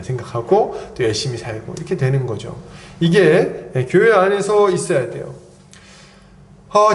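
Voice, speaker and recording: A male pastor preaching an expository sermon, animated and acting out little dialogues. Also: a little high. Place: church sanctuary. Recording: echoey church hall.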